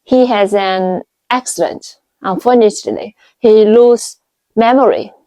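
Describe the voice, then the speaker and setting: A woman's voice: medium pitch, unhurried, warm tone, no echo. A woman in her thirties from China, a native Chinese speaker with a Chinese accent, explaining things as a video host. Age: 30s. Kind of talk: explanatory talk to camera.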